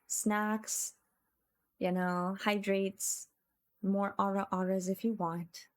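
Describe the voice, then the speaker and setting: A woman hosting a livestream, chatting casually to her viewers in a gentle, appreciative way. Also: mid-range voice, little pitch movement, takes it slowly. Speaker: livestreamer host.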